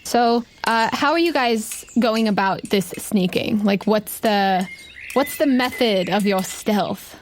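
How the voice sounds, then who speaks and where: A woman's voice: mid-range voice, slow, a little hiss or hum. A woman running a tabletop game, narrating off the cuff and putting questions to the players. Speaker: game master.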